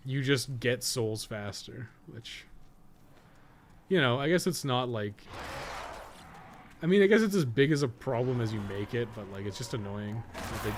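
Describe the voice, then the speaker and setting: Man rambling over noisy gameplay. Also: mid-range voice. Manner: rambling, self-deprecating, thinking aloud. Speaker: podcast co-host and game streamer. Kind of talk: casual unscripted gameplay commentary. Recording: clearly noisy background.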